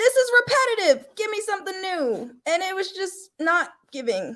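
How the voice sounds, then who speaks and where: With an American accent, a woman speaks at an extremely high pitch in an animated tone, her pitch swinging very widely. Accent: Southern, sometimes slips. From US South, Alabama. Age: young. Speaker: college student, host's daughter. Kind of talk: casual chat. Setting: livestream.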